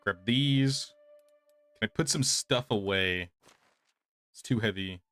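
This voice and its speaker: A man's voice: lowish voice, slow, a bit bright, dry recording, faint music behind. A man casually commenting on his gameplay during a live stream, thinking aloud and answering chat questions.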